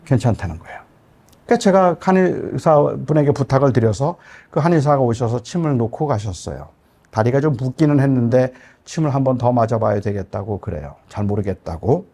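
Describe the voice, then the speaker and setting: A man's voice: medium pitch, expressive, brisk. A middle-aged man, a pastor, telling a personal story in a sermon with emotional storytelling. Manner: emotional storytelling, rising to loud outbursts.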